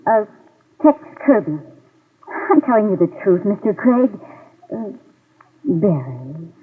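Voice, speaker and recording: A woman's voice: mid-range voice, sing-song, husky, exaggerated voice. An actress playing a young female jewel thief who works as a hat check girl, talking hesitantly and pleadingly in a 1950s radio drama. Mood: nervous. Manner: hesitant and pleading, with halting fillers. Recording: tinny old radio broadcast.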